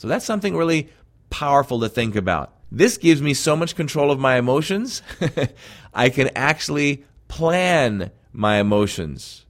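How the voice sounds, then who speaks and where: A man's voice: mid-range voice, sing-song, normal speed. A man from Jamaica, speaking without an accent, earnestly talking listeners through a recorded self-help program as a coach. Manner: earnest, conversational, addresses listeners as friends.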